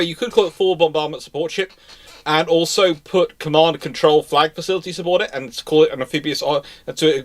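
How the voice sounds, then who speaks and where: A man hosting a casual live panel discussion, explaining things and rephrasing as he goes. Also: a little high. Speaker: live stream host answering naval history questions.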